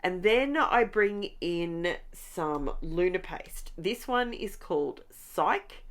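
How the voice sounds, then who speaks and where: A middle-aged Australian woman with a congested nose, chatting enthusiastically through a scrapbooking tutorial as she works. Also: on the low side. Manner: chatty, enthusiastic, talks while crafting. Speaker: scrapbooking channel host. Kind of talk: casual craft tutorial chat.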